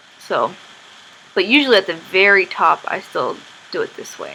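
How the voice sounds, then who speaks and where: Noticeable background noise runs under a woman speaking at a moderate rate. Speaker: beauty vlogger. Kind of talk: tutorial. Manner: halting, self-correcting; casual, rambling.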